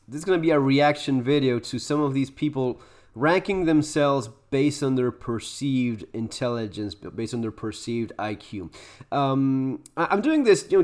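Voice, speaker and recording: A man's voice: mid-range voice, a little mellow. A man hosting a reaction video, talking casually and opinionatedly with many restarts. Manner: hesitant, restarts often, opinionated asides. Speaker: YouTube host reacting to a video.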